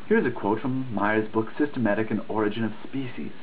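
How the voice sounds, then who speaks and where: Low-voiced man reading with earnest emphasis. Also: brisk. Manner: earnest, emphatic, preachy delivery with occasional misreadings. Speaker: reader of a dissertation. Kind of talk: dramatic reading of a written text. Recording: tinny phone-like sound with faint noise.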